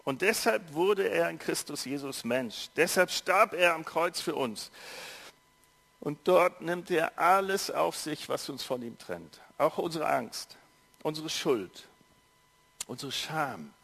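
A male preacher giving a sermon, telling a story in an earnest, measured way with pauses. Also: a little high, expressive, gravelly, a bit bright. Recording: long hall reverb.

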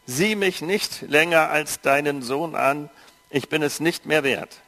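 A man slowly reading a Bible story aloud and preaching on it, giving the quoted voices some life, then turning to reflective, conversational asides. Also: a little high. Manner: slow, measured reading with lively quoted speech.

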